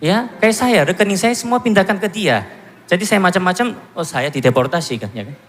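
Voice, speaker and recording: A man in his thirties from Korea, giving a self-mocking, animated church testimony. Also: high voice, a little fast. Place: church hall. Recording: long hall reverb with music behind.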